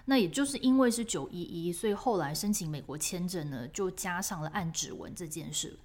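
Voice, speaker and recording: A woman from Taiwan with a Taiwanese Mandarin accent, hosting a podcast and telling a personal story in an animated, expressive way. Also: lowish voice, fairly quick. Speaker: podcast host.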